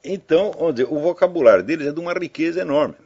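An older man talks to his listeners in a loose, anecdotal commentary, tossing in tag questions as he goes. His voice is husky and his pitch swings widely. The audio is dull and lo-fi. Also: animated, racing, dark tone. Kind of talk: casual spoken commentary.

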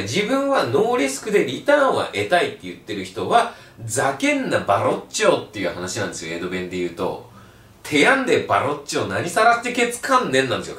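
A man giving a blunt, animated video lecture as an online resale instructor. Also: fairly high pitch, far from the mic. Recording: roomy echo, mic set back.

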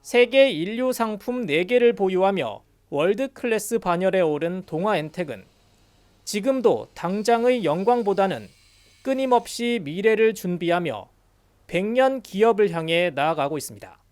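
Scripted news report narrator with mid-range pitch. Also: animated, normal speed, a little mellow.

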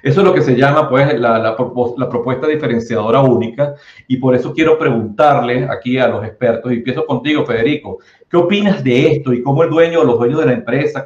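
Middle-aged host, enthusiastic and chatty, mid pitch, echoey muffled video call sound. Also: male voice, a little mellow. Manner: enthusiastic, chatty, uses filler "este". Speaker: webinar host. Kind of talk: hosting a webinar panel. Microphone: video call, laptop mic. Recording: roomy, dull video call audio.

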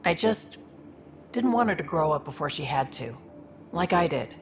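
Low-pitched, creaky, protective alien older sister, exasperated, video game drama. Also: female voice, expressive, moderate pace, a little hiss or hum. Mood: worried, dry.

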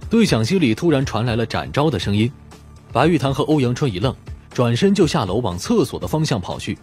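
A man narrates a crime story in a dramatic, scripted style. His mid-range voice moves freely up and down. Soft music plays faintly behind him. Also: mid-range voice, very animated, a little fast. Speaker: audiobook narrator.

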